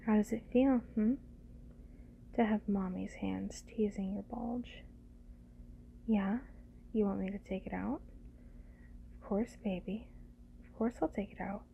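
A woman playing a doting, teasing lover in an intimate ASMR roleplay, speaking gently and soothingly in a breathy voice that often slips into whispers. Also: mid-range voice, steady tone, a little slow, long pauses, phone-quality sound, slight background noise. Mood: coaxing, seductive.

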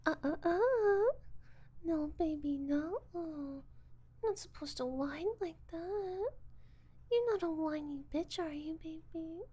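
A woman in a whispered audio roleplay, voicing a possessive, controlling woman who calls herself Mommy and talks slowly, coaxing and condescending. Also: very high voice. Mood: taunting. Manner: soft breathy whispering, slow and coaxing; condescending, teasing.

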